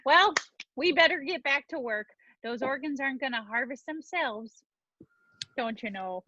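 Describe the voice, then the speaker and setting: A woman's voice: high-pitched, lively intonation, normal speed, pushed and bright, dry recording, highs cut off, full character voice. A woman playing a chatty, politely cheerful Midwestern mom with a Minnesotan accent in a comedy sketch reading. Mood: motherly, breezy.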